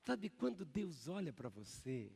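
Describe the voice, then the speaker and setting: A man's voice: a little high, very animated, unhurried, vocal fry, mellow, husky. An older man preaching a sermon in a large church as pastor, driving the congregation to repeat words back to him. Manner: emphatic preaching with call-and-response. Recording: long church hall reverb.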